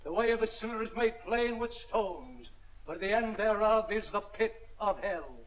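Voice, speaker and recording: A man's voice: high voice, expressive, a little slow, low-quality recording. An actor playing a man praying aloud for mercy on sinners, solemn and pleading, in 1940s film acting. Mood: fervent.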